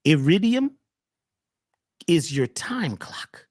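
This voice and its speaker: Animated man with swooping pitch. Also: slow, no room sound, studio quality. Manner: emphatic, repeats phrases, swoops up on key words. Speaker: wellness coach. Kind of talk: animated talk-show conversation.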